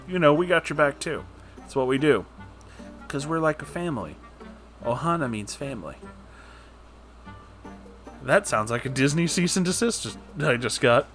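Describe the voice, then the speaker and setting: A man's voice: mid-range voice, fairly bright tone. Guy host just rambling casually to his viewers, sweary n jokey, mid voice, bit of music behind. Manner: informal, rambling, sweary, joking asides. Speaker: host reading and reacting to stories.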